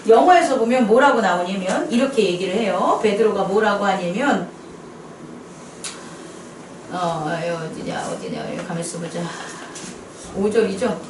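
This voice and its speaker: A woman's voice: mid-range voice, moderate pace, long pauses, a little hiss or hum. A woman preaching a sermon in a small church, often asking questions of her listeners and mixing in English phrases. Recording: echoey room, voice a bit far from mic.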